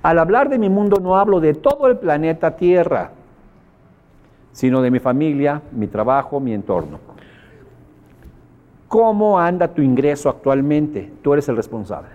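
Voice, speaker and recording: A man with a Mexican accent leads a motivational seminar, his voice sitting a touch high. He talks in an emphatic, colloquial way, hammering the same phrase again and again. He keeps turning to his audience with questions. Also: big pitch swings, moderate pace, pauses often, darkish tone, dull audio. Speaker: motivational speaker teaching a group.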